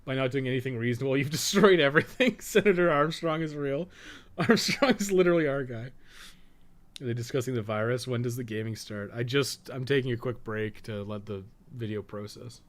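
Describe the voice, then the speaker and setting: A man with a mid-pitched voice talks off the cuff on a gaming livestream. He is blunt and opinionated, speaking in a loose, conversational way as he reasons things out aloud. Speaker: live streamer and podcast co-host. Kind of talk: casual livestream chat and gameplay commentary.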